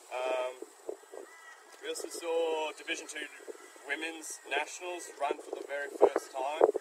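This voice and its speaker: Against loud background noise, a man talks at a fairly slow pace, his loudness swinging widely. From Australia. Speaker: president of state sport association. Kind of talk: meeting report. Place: open country.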